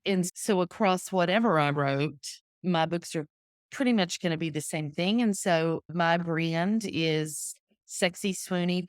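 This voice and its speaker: Woman, casual interview guest, low voice, dry close sound. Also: clear, resonant tone, dry recording. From Texas. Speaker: guest author. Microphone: video call.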